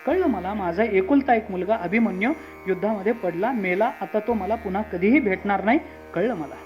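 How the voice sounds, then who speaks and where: A man voicing Subhadra, a grieving mother who reasons calmly and insistently about her son's death. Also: sits high, brisk, pitched below the performer's own voice, lightly acted. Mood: composed. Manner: composed, reasoning, rising insistence. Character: Subhadra, a calm grieving mother of a fallen son. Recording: muffled with faint instrumental music.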